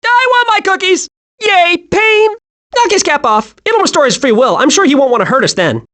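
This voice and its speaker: A man voicing an excitable, scatterbrained, cheerful young male squirrel with a childlike, eager delivery in an animated video game. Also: extremely high pitch, moderate pace, exaggerated voice. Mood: hyper, eager.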